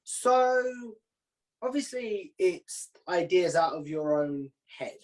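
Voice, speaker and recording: A man's voice: sits high, lively intonation, slow, poor audio. A man hosting an interview in a casual, chatty style. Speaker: host interviewing a podcaster.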